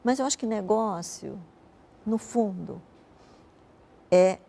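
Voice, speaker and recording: Older woman with a gravelly, mellow voice. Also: medium pitch, slow pace, slight background noise. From Japan. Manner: reflective storytelling, frequent "né" tags. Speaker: interview guest, businesswoman. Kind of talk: conversational interview.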